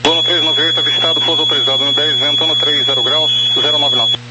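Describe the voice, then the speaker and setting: A man's voice: on the high side, flat delivery, fast. A Brazilian man working as an air traffic tower controller, giving clipped procedural instructions over aviation radio. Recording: very noisy aviation radio transmission.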